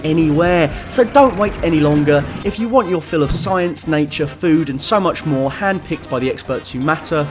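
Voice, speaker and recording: A man's voice: a little high, normal speed, hardly any pauses. A young man narrating a scripted video essay in an enthusiastic, wry, conversational way. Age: young adult. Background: background music.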